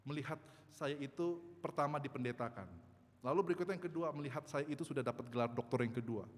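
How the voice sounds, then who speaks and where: A man's voice: on the high side, fast, long reverb tail. A middle-aged male pastor preaching a sermon, telling a personal story with emotion and asking repeated rhetorical questions.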